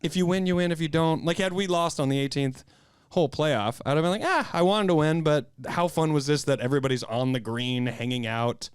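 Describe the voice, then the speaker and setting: A man's voice: on the high side, fairly quick, smooth, no echo, clean studio sound. A man co-hosting a comedy podcast, telling rambling self-mocking stories and laughing often. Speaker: podcast co-host. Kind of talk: casual comedic chat.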